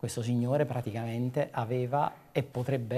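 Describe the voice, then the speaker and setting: Medium-pitched male voice with a dark, mellow tone, somewhat breathy and monotone, flat in intonation. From Campania, Italy. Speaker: art history professor and archaeologist. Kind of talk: interview about local history. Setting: TV studio.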